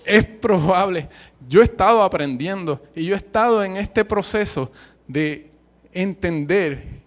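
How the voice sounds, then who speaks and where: A man preaching with a Puerto Rican accent, passionate and emphatic, dropping casual slang and jokes into his sermon. His voice sits high for a man, rising to forceful peaks as he presses each point. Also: a little slow. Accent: Puerto Rican Spanish. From Puerto Rico. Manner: passionate, emphatic, uses colloquial slang and humor.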